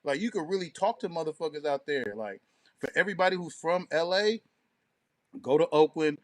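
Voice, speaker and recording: A man's voice: a little high, expressive, brisk. A man co-hosting an online show, chatting casually with heavy slang.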